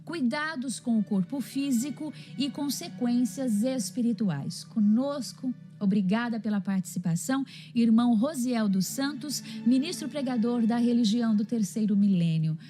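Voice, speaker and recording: Mellow-voiced Brazilian woman presenting, music beneath. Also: a little high, expressive, moderate pace, hardly any pauses. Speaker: programme host. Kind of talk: religious programme presenting, reading listener questions.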